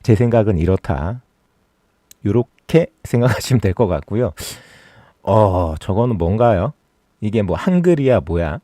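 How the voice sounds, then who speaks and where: A man's voice: fairly low pitch, lively intonation, measured pace, mellow, no room sound. Guy hosting a political stream, sarcastic and mocky, voice swings up and down a lot, dry close sound. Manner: sarcastic, mocking, rising to exasperated rants. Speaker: political YouTube host. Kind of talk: casual political commentary livestream.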